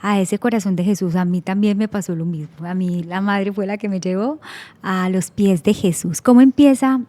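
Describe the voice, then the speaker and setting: A woman's voice: medium pitch, normal speed, mellow. A woman hosting a Catholic talk show, welcoming her guest and affirming her story with devout interjections.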